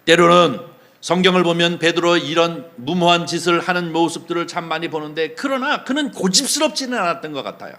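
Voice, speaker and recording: Dramatic preaching man, bright voice. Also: on the high side, expressive, a little fast. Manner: dramatic preaching, acting out quoted dialogue; leads the congregation in reading aloud. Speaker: pastor. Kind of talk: sermon.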